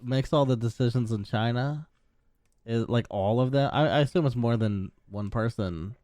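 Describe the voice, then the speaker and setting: A young man co-hosting a gaming podcast, talking casually in a laid-back, halting way with frequent laughs. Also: medium pitch, darkish tone, dry recording, studio quality. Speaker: podcast co-host. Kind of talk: casual chat.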